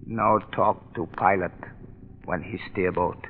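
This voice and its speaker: A man's voice: low voice, steady tone, slow. A man playing a taciturn, superstitious island boat pilot in an old radio drama, curt and ominous, in clipped broken English. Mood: gloomy, ominous. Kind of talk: 1930s radio acting. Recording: muffled old radio, echoey, faint noise.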